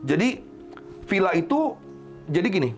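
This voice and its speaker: A man hosting a podcast, telling a story in casual chat and acting out his friends in sudden high voices. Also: unhurried, soft background music. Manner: animated, jumps up high when acting out friends.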